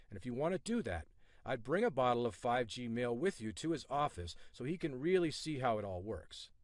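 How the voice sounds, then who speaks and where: A man reading a scripted sales pitch in a smooth, reassuring salesman manner, from the United States. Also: dry recording, studio quality. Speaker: ad presenter.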